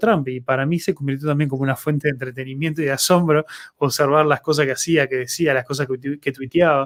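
A man speaks very fast at a fairly high pitch. The recording is very clean and silent behind him, with a dry, close sound and no echo. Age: 30s. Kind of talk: casual interview chat. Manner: halting, many repetitions and fillers.

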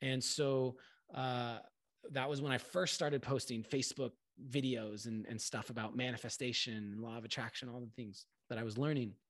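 Over a quiet background, a man with an American accent talks in a normal speaking voice at medium pitch and a moderate pace, his intonation fairly even. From Arizona, US. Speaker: poet and motivational speaker. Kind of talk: casual interview. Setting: video call.

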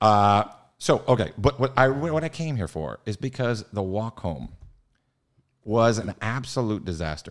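At a fairly slow pace, a man with a medium pitch speaks with lively intonation on a very clean recording with a silent background. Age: 40s. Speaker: pilot and friend of the host. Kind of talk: casual storytelling.

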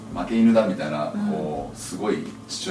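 A man speaks with music in the background. Room echo is audible. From Tokyo, Japan (ages 2-9 in New York). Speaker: MC and VJ. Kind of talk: interview.

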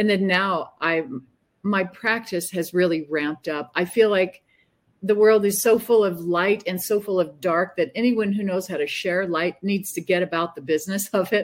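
A woman speaks in an ordinary speaking voice at a moderate pace, with a medium pitch and ordinary pitch variation. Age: 60s. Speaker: energy medicine professional and social media creator. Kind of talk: casual interview chat. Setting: video call.

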